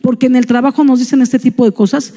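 A woman's voice: high-pitched, fairly even intonation, quick pace, dark tone. A woman with a Mexican Spanish accent speaks in a chatty storytelling way, often tagging her sentences with a questioning "¿no?". She is a church speaker weaving a personal story into a sermon, and her voice carries a long reverb from a church hall.

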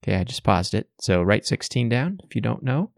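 A man's voice: on the low side, very animated, fairly quick, creaky, no echo, clean studio sound. A man casually hosting a family guessing quiz, giving instructions and calling on players. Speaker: quiz host.

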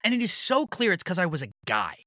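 A man's voice: high voice, huge pitch swings, quick pace, pushed and bright, no room sound. A man from Maine, a podcast guest in his thirties, telling a story in casual conversation, swearing freely and acting out the other people in it. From Maine, USA. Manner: heated, swears freely, voices others in retold dialogue.

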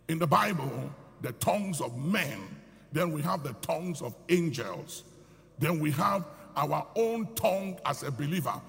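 In a big hall with long reverb, a male preacher's emphatic sermon rings out. His voice is gravelly and bright and sits a little high.

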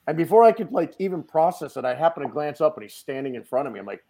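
A man from the Northeast US, a podcast guest, telling stories in a lively, casual way and swearing freely. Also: fairly high pitch, fast talker, vocal fry. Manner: animated storyteller, swears casually.

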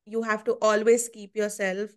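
A woman's voice: medium pitch, moderate pace. A woman in her twenties, a podcast guest, telling stories in casual conversation and acting out what people said. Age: 20s. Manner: animated storytelling, acts out quotes. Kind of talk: casual interview chat.

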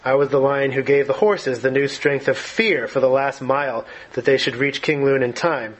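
A man voicing a huge, wise lion while reading a story aloud, speaking slowly and gravely in a measured way. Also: mid-range voice, natural voice, rough recording. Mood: solemn. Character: huge deep-voiced lion, calm, solemn and wise.

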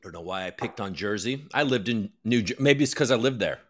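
A man's voice: fairly low pitch, lively intonation, brisk. A man hosting a crypto news livestream, chatting casually in a rambling, self-deprecating way and swearing freely. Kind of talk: casual chat.

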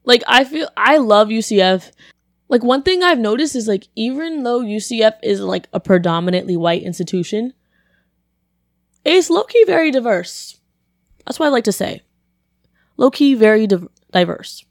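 A young woman, a college student, telling a story in casual chat, her voice deeper than usual and a bit congested, with lots of "like" and acted-out quotes. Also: moderate pace, no echo, studio quality. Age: young adult. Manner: chatty, animated, lots of "like", acts out quotes.

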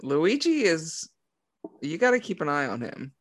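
A young man co-hosting a podcast, joking through quick, casual banter over a call. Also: on the high side, huge pitch swings, fairly bright tone, no room sound. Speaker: podcast co-host. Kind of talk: casual chat.

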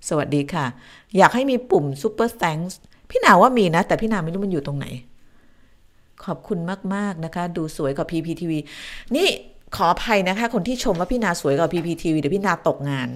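A woman's voice: lowish voice, lively intonation, moderate pace. A woman hosting a news live stream from home, summing up the news and then chatting with viewers and thanking them by name. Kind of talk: casual live-stream news talk, reading viewer comments.

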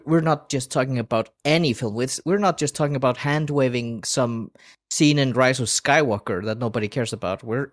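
A man in a casual podcast chat rambles through his points with many restarts and fillers. His voice sits at a middle pitch. The sound is dry and close. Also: no room sound.

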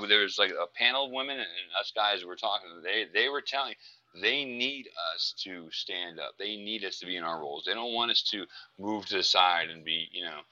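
A man's voice: deep voice, pushed and bright, no echo, rough recording. A man in his late thirties talking emphatically in a casual podcast chat, peppering his lines with "dude" and "man.". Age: late 30s.

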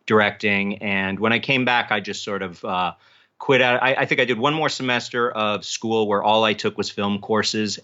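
A man speaking as an interview guest, an author talking casually in halting, self-correcting phrases. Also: fairly low pitch, bright, forceful tone. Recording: dull, band-limited audio.

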